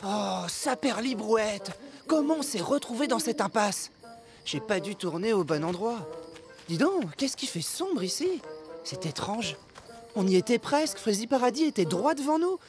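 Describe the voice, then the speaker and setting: A woman's voice: medium pitch, big pitch swings, normal speed, darkish tone, faint music behind, lightly acted. A woman voicing a kindly, folksy traveller in a children's cartoon, musing aloud to herself. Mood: puzzled. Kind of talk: animated children's series dubbing.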